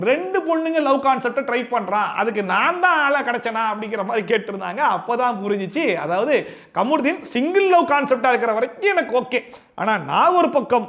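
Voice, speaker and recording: Man, reality show commentary, sarcastic, animated, quick patter, unusually high pitch. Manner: sarcastic, animated, rhetorical questions. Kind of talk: fast opinionated commentary.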